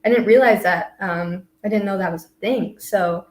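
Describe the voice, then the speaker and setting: A young American woman in her twenties, a college student guest, tells a story in casual conversation at a moderate pace and medium pitch. Her storytelling rambles and is heavy with fillers. The recording has a roomy echo.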